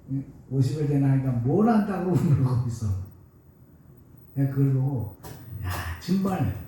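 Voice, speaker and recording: A man in his seventies preaching a sermon as pastor, telling homely stories and rising suddenly to loud emphasis. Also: fairly high pitch, slight background noise. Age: 70s. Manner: folksy storytelling with sudden loud rises. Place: church sanctuary. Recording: echoey church hall, mic far off.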